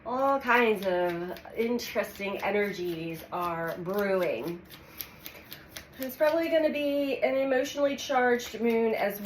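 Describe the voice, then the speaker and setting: A woman with a slightly stuffy, cold-affected voice gives a calm, measured tarot reading. She speaks in the middle of her range and pauses as she lays out cards. The sound is roomy, with steady background noise. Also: medium pitch. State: congested from a cold. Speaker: tarot reader. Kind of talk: weekly astrology tarot reading. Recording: echoey room with audible background noise.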